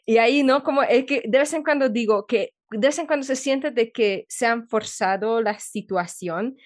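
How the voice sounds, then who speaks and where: A woman's voice: a little high, normal speed, no room sound. A woman hosts a casual podcast interview, thinking aloud as she talks. She halts and restarts often, and her voice is recorded close and dry. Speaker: podcast host.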